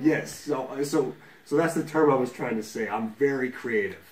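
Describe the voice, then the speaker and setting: Audible room echo surrounds a man speaking with an American accent and lively intonation. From Colorado Springs, USA. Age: young. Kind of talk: interview answer. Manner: hesitant, many fillers. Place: home room. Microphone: camera far.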